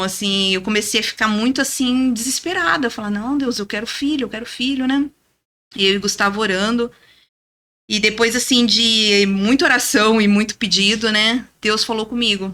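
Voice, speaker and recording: A woman in her thirties telling a personal faith story as a podcast guest, earnest and lively, often adding "né?". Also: medium pitch, moderate pace. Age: 30s. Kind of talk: testimony in casual chat.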